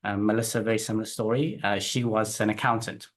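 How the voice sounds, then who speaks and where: A South African man in his forties, an interview guest and business owner, telling his story in relaxed chat with restarts and fillers. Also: fairly low pitch, quick pace.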